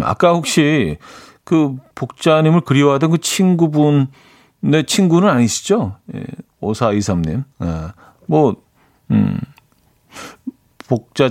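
A man's voice: medium pitch, big pitch swings, a little slow, vocal fry, darkish tone, no echo. A man hosting a radio show in a casual, chatty way, laughing at his own jokes and reading out listener messages in a studio. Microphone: studio microphone.

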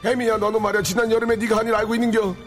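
A man voicing an old mother-in-law with a who scolds her daughter-in-law in a stuttering, drawn-out way, as a radio comedy bit. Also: high-pitched, little pitch movement, over loud music, voice pushed up, natural voice. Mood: scolding.

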